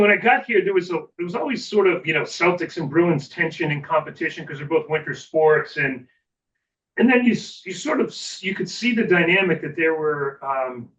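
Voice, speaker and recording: A man's voice: a little high, a bit bright, recorded from a distance, muffled recording. A man speaking as an interview guest in a casual, reflective way, informally checking in with the listener as he goes. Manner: informal, reflective, often checks in with 'you know'. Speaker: sports executive, podcast guest.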